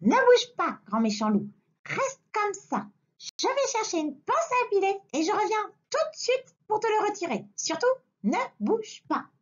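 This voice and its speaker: Woman doing a shrill fussy white bunny. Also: sing-song, full character voice. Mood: bossy. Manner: bossy, prattling quickly. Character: shrill fussy little white rabbit, male. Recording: dull lo-fi recording.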